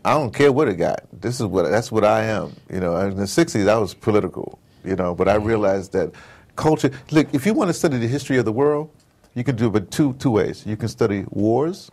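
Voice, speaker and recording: A man's voice: fairly low pitch, lively intonation, a little fast, darkish tone. A middle-aged or older man in casual conversation as an interview guest, emphatic and rambling with slangy turns of phrase. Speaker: interview guest, audio drama producer.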